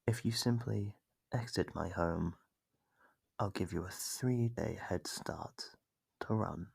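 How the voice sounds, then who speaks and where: A man playing a sadistic monster in an ASMR horror roleplay, taunting captive prey with mock politeness in a gravelly, husky, whispery-edged voice, close to the microphone. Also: sits low, slow pace, a little mellow, no room sound, exaggerated voice. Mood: smug, menacing. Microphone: close, dry microphone.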